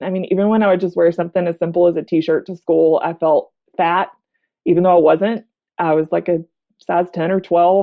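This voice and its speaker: A woman with a Southern US accent talks at a fairly quick pace in a fairly low voice. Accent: Southern US, mild. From Alabama. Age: adult. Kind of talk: interview answer. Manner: matter-of-fact, confident.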